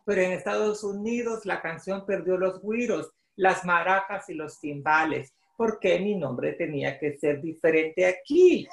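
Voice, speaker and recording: A man's voice: high voice, lively intonation, moderate pace, creaky, few pauses. A middle-aged man from El Salvador with a Salvadoran Spanish accent, a children's author presenting and reading aloud on a video call. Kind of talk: explaining and reading a picture book aloud. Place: small home office, indoors. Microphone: video call computer microphone. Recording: roomy, echoey video call.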